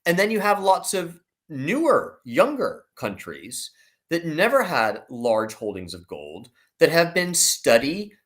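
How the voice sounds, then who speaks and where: A man's voice: fairly high pitch, wildly swooping pitch, slow, fairly bright tone. A man speaking as an analyst guest, explaining things emphatically in conversational commentary and posing rhetorical questions.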